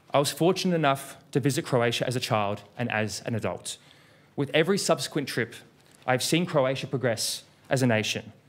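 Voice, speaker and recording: A man at a moderate pace, medium pitch and ordinary pitch variation. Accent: Australian. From Australia, Melbourne. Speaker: lawyer, diaspora program participant. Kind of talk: formal speech. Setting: government hall with audience. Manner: formal.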